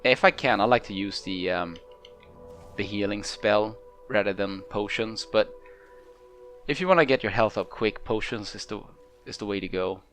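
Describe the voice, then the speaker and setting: Low-pitched man giving casual game commentary. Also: normal speed, a bit bright. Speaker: gamer, let's play host. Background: game music.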